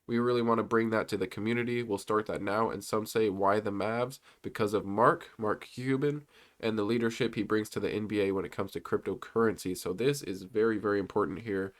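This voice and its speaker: A young man with a low, stuffy voice, congested from a cold, walks through investment slides in a loose, rambling way. He talks casually, full of fillers and false starts, and sounds like a regular on his own channel. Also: fairly even intonation, fairly quick. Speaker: stock commentary YouTuber. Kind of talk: casual commentary over on-screen slides.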